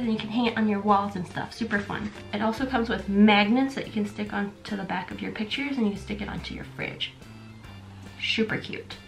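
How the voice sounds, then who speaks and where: Her voice is slightly high and gravelly: she's a twenty-something vlogger who is ill, congested, and going hoarse. Sitting in a small bedroom with camera shelves, she casually unboxes her gifts for the camera, filling her talk with fillers.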